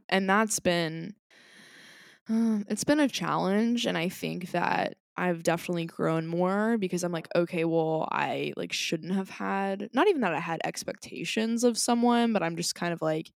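Young woman, podcast co-host, gravelly voice, dry close sound, loose rambling chat. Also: fairly low pitch, a little slow, no room sound. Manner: rambling, animated, many "like" fillers; self-described loud and passionate. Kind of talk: casual chat.

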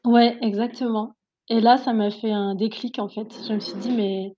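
A woman's voice: a little high, fairly even intonation, moderate pace, warm tone, highs cut off, a little hiss or hum. A woman from France, an Ayurvedic therapist, talking casually as a guest in an interview, with frequent laughs and many hesitations. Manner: laughs often, many fillers and restarts.

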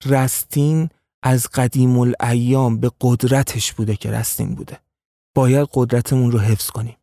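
Brief: a man voicing a calculating tribal chief in an audio story, mellow and dry. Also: medium pitch, fairly even intonation, vocal fry, no room sound, close to an everyday voice. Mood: calm. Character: scheming powerful male tribal chief.

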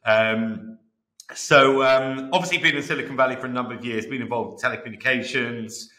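Bright-voiced male podcast host, roomy sound. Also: medium pitch, brisk. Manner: upbeat, uses many fillers. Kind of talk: podcast hosting and interviewing.

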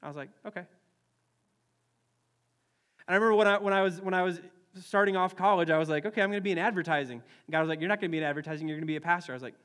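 A young man from Wisconsin preaching a sermon as a pastor, animated and acting out quoted voices with many restarts. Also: high voice, racing. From Wisconsin, US Midwest.

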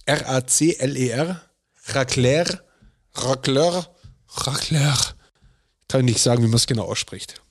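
A man's voice: medium pitch, normal speed, husky. Chatty man presenting podcast facts. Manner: chatty, explains with restarts and hesitations. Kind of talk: casual chat.

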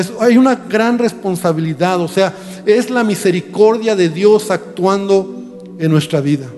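High-voiced preacher in a reverberant hall. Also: male voice, darkish tone. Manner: explains scripture with frequent rhetorical questions. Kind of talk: sermon.

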